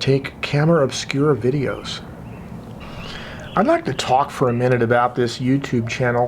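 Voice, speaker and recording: Against noticeable background noise, a man speaks with fairly even intonation and very even loudness, leaving long, frequent pauses. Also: medium pitch for a man, moderate pace. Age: 60s. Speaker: hobbyist YouTuber. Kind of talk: casual vlog monologue. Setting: outdoors on patio. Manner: rambling, with repetitions.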